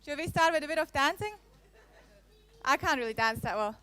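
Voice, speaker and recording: A woman's voice: sits high, animated, brisk, bright, forceful tone. A woman in her thirties from Switzerland, with a Swiss-French accent, giving a conference talk on a handheld microphone, playful and teasing her audience. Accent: Swiss, with some French. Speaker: conference speaker. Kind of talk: live keynote presentation. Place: conference hall.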